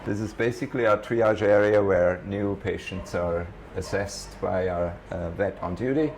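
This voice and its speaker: A man's voice: deep voice, moderate pace, darkish tone. A man guiding visitors around an animal rescue center, explaining hesitantly with many fillers. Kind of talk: walking tour explanation. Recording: noisy outdoor recording with barking dogs.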